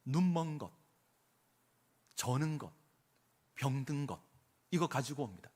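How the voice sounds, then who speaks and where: A man's voice: medium pitch, expressive, measured pace, a little mellow. A male pastor preaching a sermon, asking the congregation questions and acting out quoted speech with emphasis. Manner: preaching with rhetorical questions and dramatic quoted voices.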